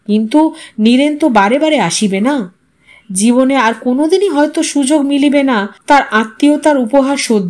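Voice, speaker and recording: A woman storyteller giving an expressive, literary narration of an audio story. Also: sits high.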